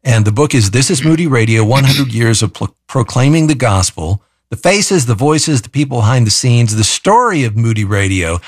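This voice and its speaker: A man hosting a live radio talk show, playful and enthusiastic, pitching a donation offer between questions for his guest. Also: animated, normal speed, hardly any pauses, breathy edge, dry recording, clean studio sound. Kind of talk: upbeat radio hosting and fundraising appeal. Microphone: studio microphone.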